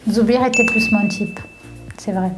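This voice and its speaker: A woman's voice: medium pitch, fairly even intonation, normal speed. A young woman from Tunisia chatting casually in an interview, often laughing and repeating her words. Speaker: reality TV contestant. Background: faint background music.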